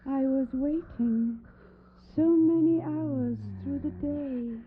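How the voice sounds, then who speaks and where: Very high, slow entranced victim. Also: female voice. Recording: thin phone-like audio with faint noise.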